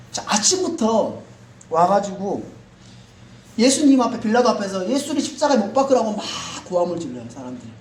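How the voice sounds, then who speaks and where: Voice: mid-range voice, a little mellow, a little hiss or hum. A pastor preaching a sermon with emphasis, often asking the congregation rhetorical questions, recorded in a church hall. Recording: echoey room, mic at a distance.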